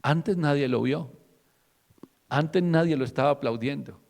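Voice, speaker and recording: Male pastor, fervent preaching, fairly high voice, long hall reverb. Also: measured pace, creaky, darkish tone. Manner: fervent, rhetorical, acts out quotes. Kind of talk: radio sermon.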